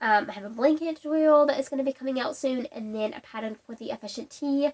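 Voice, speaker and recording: The pitch rises and falls in an ordinary way. The pace is very fast. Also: woman. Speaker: knitting and crochet podcaster. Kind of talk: casual chat. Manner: casual, many fillers.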